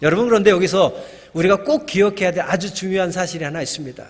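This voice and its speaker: A man's voice: high-pitched, fast talker. A middle-aged male pastor preaching a sermon in a church, posing questions to the congregation and acting out quoted lines. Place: church sanctuary. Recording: long church hall reverb.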